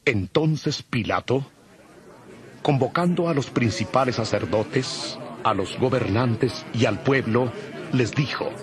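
A man reading scripted Bible narration in a formal, measured, solemn manner. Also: mid-range voice, crowd noise.

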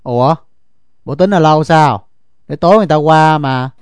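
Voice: medium pitch, moderate pace, clean tone, dry recording, studio quality, natural voice. Someone voicing a teasing young country boyfriend. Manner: bantering, wheedling. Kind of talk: audio story dialogue.

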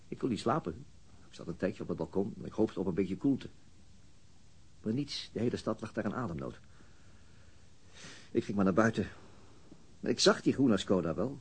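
An actor playing a weary, dry police detective in a radio drama, speaking in a deliberate, understated way. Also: male voice, fairly low pitch, expressive, a little mellow, husky, exaggerated voice. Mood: reflective, tense. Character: male police detective, weary, dry, recounting being shadowed. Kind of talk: radio drama acting, narrating and dialogue. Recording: noisy older radio drama recording.

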